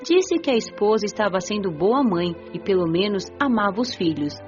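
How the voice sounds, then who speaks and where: A gentle young woman spirit narrates a Brazilian radio play, voiced by an actress. Her mid-pitched voice moves with lively, expressive storytelling. The recording is a bit muffled, over background music. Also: normal speed, natural voice. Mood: earnest, recounting. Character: curious, gentle nineteen-year-old girl spirit narrating her afterlife. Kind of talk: scripted first-person audiobook drama narration. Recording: dull lo-fi audio, music behind.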